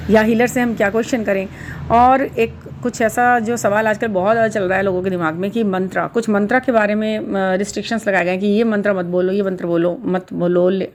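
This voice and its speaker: A middle-aged woman talks warmly and unhurriedly to her followers about spiritual matters. Her voice sits at an ordinary middle pitch, and she often repeats words to press a point home. English terms come up often in her Hindi. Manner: gentle, reassuring, repeats words for emphasis. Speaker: spiritual guidance channel host. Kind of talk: casual talk to viewers.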